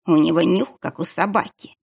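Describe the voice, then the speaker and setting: A woman's voice: on the low side, fairly even intonation, normal speed, vocal fry, darkish tone, breathy edge. A woman voicing a frightened, superstitious archer who whispers his fears. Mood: fearful whisper. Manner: whispering, fearful.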